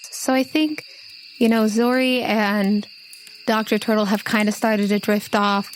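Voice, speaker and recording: A woman hosting a tabletop game podcast as game master, expressive and enthusiastic in her delivery. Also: medium pitch, unhurried, a little hiss or hum, poor audio. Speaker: game master and show host. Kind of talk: announcements and storytelling narration for a tabletop game podcast. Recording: music behind the voice.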